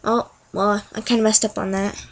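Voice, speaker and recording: A young woman chatting through each click in a casual screen-recorded software tutorial. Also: medium pitch, level tone, moderate pace, low-quality recording. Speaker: tutorial narrator.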